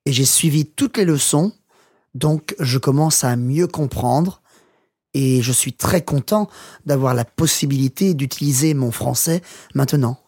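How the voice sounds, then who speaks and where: An actor playing a retired English teacher in his sixties, reading a scripted journal in measured, simple learner's French. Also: fairly high pitch, darkish tone, breathy edge, no echo, clean studio sound, heavily acted. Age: 60s. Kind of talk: scripted first-person journal read aloud for language learners.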